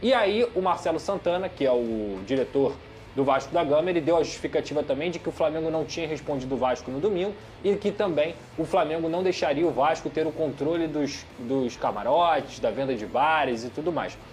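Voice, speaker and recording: A male sports commentator with a Brazilian Portuguese accent, voice sitting somewhat high for a man. He breaks down football tactics in an animated, opinionated way during a studio debate, with a faint hum of ambience behind him. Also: brisk.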